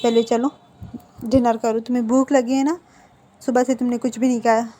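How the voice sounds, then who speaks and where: A woman voicing a caring grandmother who coaxes and soothes gently. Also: a little high, level tone, moderate pace, lightly acted. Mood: coaxing. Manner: soothing, coaxing.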